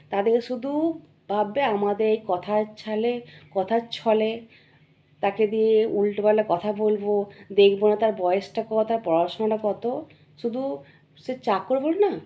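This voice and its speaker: Hoarse young woman, earnest preachy vlog. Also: a little high, mellow. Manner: earnest, preachy, keeps checking in with the listener. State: hoarse from a cold. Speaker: vlogger. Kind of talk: casual monologue to camera.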